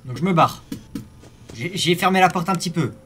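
A young man commentating a horror game live, swinging from startled yells to hushed muttering, full of slang. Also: high-pitched, expressive, fairly quick. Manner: French street slang. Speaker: gaming youtuber.

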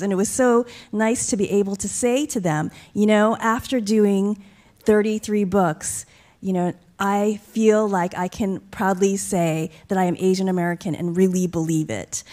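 A middle-aged woman author from upstate New York talks in a reflective, earnest way, with a voice of ordinary pitch. She speaks into a stand mic on a library stage. When she quotes others, her voice turns lively. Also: normal speed. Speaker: author guest. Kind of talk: onstage conversation. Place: stage with curtain backdrop, library event.

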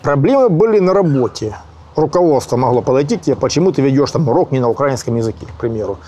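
Male interviewee, animated pitch, faint outdoor noise. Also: fast talker. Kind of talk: explaining, conversational. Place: outdoor yard.

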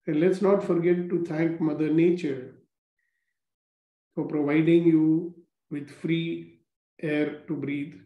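A man leading a guided gratitude meditation, speaking slowly and calmly with repeated phrases. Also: fairly high pitch. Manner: slow, calm, repetitive instructions. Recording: roomy, dull lo-fi recording.

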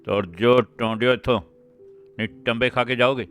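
A drunk, roaring middle-aged father, as a man puts him on in a storybook reading, louder and a bit higher than the reader's calm voice. He threatens in a harsh, shouting way. Soft instrumental music hums faintly behind. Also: normal speed, close to an everyday voice. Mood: roaring threats.

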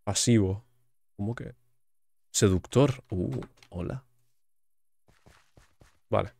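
A man's voice: fairly low pitch, slow pace, vocal fry, darkish tone. A man with a Spain Spanish accent giving chatty, joking commentary while playing a video game and reading its text aloud. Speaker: gaming YouTuber. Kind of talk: gaming commentary.

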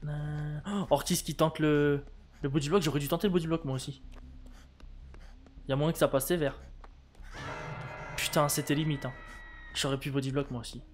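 A man's voice: on the high side, fairly even intonation, moderate pace, pauses often, a little hiss or hum. A French man streaming a game, chatting casually and reading his viewers' chat with wry humor. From France.

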